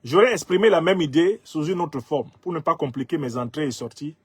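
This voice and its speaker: A man's voice: fairly high pitch, lively intonation, brisk, husky, no room sound. Give me a man from Cameroon in his fifties, emphatic and rhetorical, commenting on viewer comments with a dry sound. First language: Bassa. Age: 50s. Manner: emphatic, rhetorical, laughs at his own jokes. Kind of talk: commentary on social media comments.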